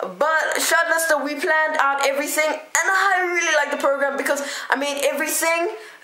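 A raised, projected voice speaks at a moderate pace over noticeable background noise. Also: woman. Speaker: amateur filmmaker. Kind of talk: on-set behind-the-scenes commentary. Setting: on a film set. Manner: hyper.

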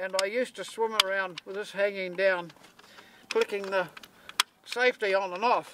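At a moderate pace with long, frequent pauses, a man in a New Zealand accent speaks high-pitched with fairly even intonation, the sound dry with no echo and noticeable background noise. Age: 70s. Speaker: spearfisherman. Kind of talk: interview answer. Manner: casual, anecdotal. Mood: amused storytelling. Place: garden.

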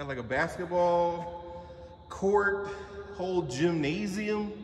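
Light background noise and audible room echo behind a man's voice. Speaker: vlogger touring site. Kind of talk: casual vlog chat. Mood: excited, impressed. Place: hall. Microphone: phone near.

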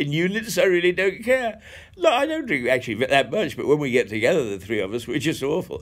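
In a British accent, a man with a high voice talks at a very fast pace. His pitch swings very widely against a quiet background. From England. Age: 70s. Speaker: livestreamer telling life stories. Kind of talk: casual monologue. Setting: home, at his cottage. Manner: halting; humorous. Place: home room. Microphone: phone near.

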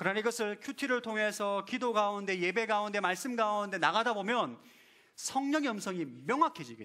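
A man speaks in a raised, projected voice with high pitch and a bright, sharp tone, at a fairly quick pace. His loudness swings widely while his pitch varies in an ordinary way, over a quiet background. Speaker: pastor. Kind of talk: sermon. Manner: animated. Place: church. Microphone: headset.

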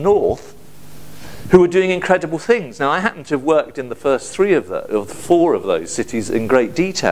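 This man's voice is high-pitched and moves at a fairly quick pace. His pitch swings very widely. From from abroad, not New Zealand. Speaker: visiting urban consultant and speaker; speaker. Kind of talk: public lecture. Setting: stage with audience. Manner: halting, with fillers and repeated words. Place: hall.

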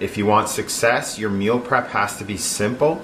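Light background noise behind a male speaker. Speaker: home cook vlogger. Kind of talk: tutorial. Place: kitchen. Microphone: camera far.

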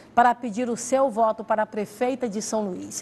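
A woman's dark, mellow tone comes through at a moderate pace with ordinary pitch variation. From Brazil, Maranhão. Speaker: politician, mayoral candidate. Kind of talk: political debate closing statement. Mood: earnest, persuasive. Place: studio. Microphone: lapel.

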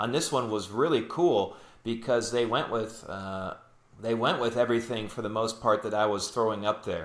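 Speaking at a moderate pace, a man's voice carries audible echo from the room. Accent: American. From Texas, The Woodlands area; Texas. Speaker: motion designer and director; podcast guest. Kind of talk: casual interview chat. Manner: animated. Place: home room. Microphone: earbuds.

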